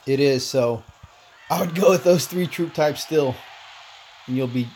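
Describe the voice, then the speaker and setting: A man's voice: fairly high pitch, a little slow, darkish tone, slight background noise. Laid-back man streaming a mobile game. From Korea. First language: Korean. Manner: laid-back, chatty, calls viewers "man", reads chat aloud. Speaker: livestream host. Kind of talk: casual gameplay livestream chat.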